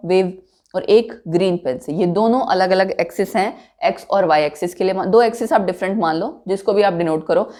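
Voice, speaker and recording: A woman's voice: medium pitch, mellow. A woman teaching a chemistry lecture, explaining step by step and checking with her students as she goes. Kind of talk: classroom lecture mixing Hindi and English.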